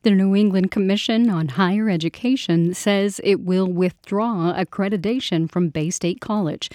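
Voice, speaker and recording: A woman anchoring local radio news, reading scripted stories in a measured, factual delivery. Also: mid-range voice, darkish tone, no room sound, studio quality.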